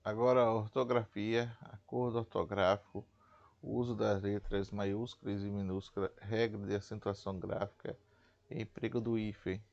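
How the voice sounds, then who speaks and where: A man from Brazil asking about topics by reading them out one by one in a flat, deliberate way, on a dull, dry recording. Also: fairly low pitch, creaky. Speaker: student asking questions.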